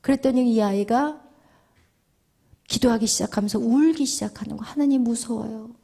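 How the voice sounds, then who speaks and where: A woman pastor preaching and teaching through a vivid personal story, sometimes dropping to a hushed whisper for emphasis. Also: fairly high pitch, moderate pace, vocal fry.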